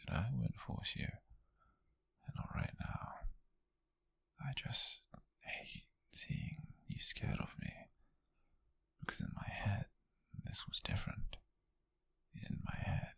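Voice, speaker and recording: A man acts out an obsessive male captor in an intimate roleplay drama. The voice is a husky, breathy whisper, low and very close and dry. He confesses haltingly, pleading and menacing at once. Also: fairly bright tone, no echo, exaggerated voice. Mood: pleading, wounded, then bitter, obsessive. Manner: slow, halting confession with sighs.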